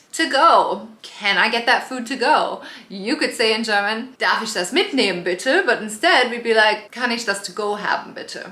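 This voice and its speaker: A woman's fairly high, lively voice at a moderate pace with hardly any pauses, over noticeable background noise. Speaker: YouTuber and parent living abroad. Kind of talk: casual vlog explainer. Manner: animated.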